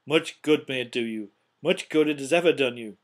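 A man's voice: fairly high pitch, sing-song, normal speed, pushed and bright, full character voice. A man voicing a scornful, miserly old uncle from a storybook, growling and curt. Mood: stern. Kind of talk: storybook character reading.

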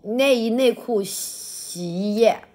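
A woman hosting a livestream, chatting casually with viewers between songs, her throat feeling blocked and a little hoarse. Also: fairly high pitch, warm tone. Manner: sings then chats quickly to viewers, self-deprecating. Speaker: livestream host. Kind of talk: casual livestream chat and singing.

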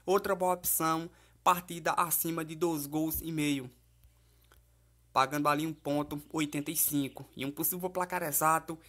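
A man's voice: fairly high pitch, fairly even intonation, moderate pace, sharp tone. A man giving casual football betting tips in a voice-over, chatty and loose, often tagging lines with "né?" and calling viewers "família" and "galera". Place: voice-over, not recorded in the pictured place.

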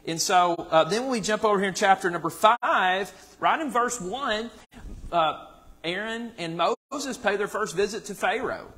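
A man's voice: high-pitched, lively intonation, normal speed, bright, forceful tone, poor audio. A man in his thirties with a Southern US accent, teaching a church Bible study in a casual way with many fillers and restarts, recorded from the pews. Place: church sanctuary. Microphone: far camera in the pews.

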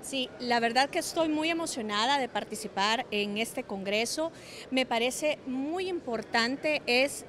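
A woman's voice: high-pitched, fairly bright tone. A woman in her thirties, an honorary consul, answering interview questions earnestly in a large conference hall, with small restarts. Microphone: handheld mics and phone held up close. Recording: crowd murmur in a hall. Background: crowd chatter.

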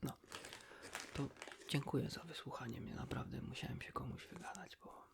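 Whispering man, soft and crackly. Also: medium pitch, moderate pace. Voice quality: breathy, hushed, mostly whispered. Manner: colloquial, rambling, ends phrases with a tag question. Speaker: ASMR creator talking to the listener as a friend. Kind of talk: ASMR, casual confiding chat in whispers and soft speech.

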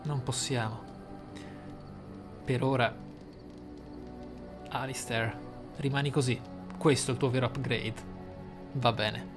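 A man's voice: medium pitch, steady tone, slow, long pauses. Theatrical man commentating a game over music. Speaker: gaming YouTuber, player. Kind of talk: game playthrough commentary with role-play musing.

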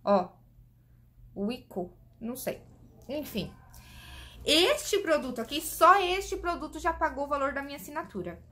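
A high-pitched Brazilian woman chats eagerly to camera, reviewing beauty products. She keeps calling out to her viewers while she tries each one on her hands. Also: big pitch swings, moderate pace, a bit bright. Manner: chatty, enthusiastic, addresses viewers as "gente"; demonstrating products while talking. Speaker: beauty vlogger.

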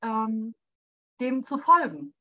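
A woman tells a personal story on a group video call in a chatty, cheerful way. Her voice is high and bright. The connection sounds dull and lo-fi. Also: big pitch swings, slow. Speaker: participant. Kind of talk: casual chat on a video call.

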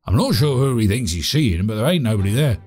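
An actor playing a chatty, cagey British servant in an audio drama, speaking in a halting, colloquial, animated way. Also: male voice, medium pitch, faint music behind, close to an everyday voice. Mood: sly, chummy. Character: chatty, cagey servant man, obsequious yet scheming. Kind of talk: audio drama monologue and dialogue.

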